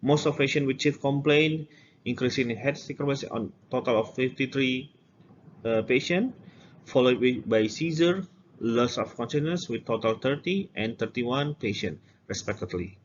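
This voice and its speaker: A man with an Indonesian accent gives an academic presentation as a doctor, in halting, non-native phrasing with repeated words. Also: medium pitch. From Medan, North Sumatra, Indonesia. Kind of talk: scripted academic conference presentation. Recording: dull lo-fi audio with background noise.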